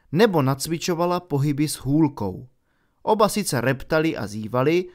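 Male audiobook reader, animated storytelling delivery, slightly raised pitch. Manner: expressive, storytelling. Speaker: audiobook narrator. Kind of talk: scripted audiobook narration.

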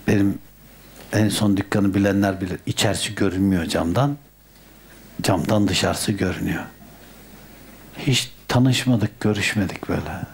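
A man, a Sufi sheikh, giving an unhurried religious talk with storytelling that often sinks to a soft murmur. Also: deep voice, husky.

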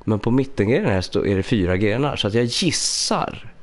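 A man's voice: lowish voice, expressive. A man live-streaming a puzzle game with casual commentary, thinking aloud and chatting with viewers, slightly congested from a cold, on a USB studio microphone.

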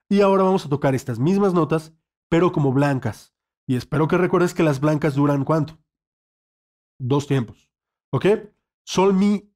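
Man teaching saxophone, slightly high voice. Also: darkish tone. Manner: patient, checks in often with "¿ok?" and "¿sí?". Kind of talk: online music lesson.

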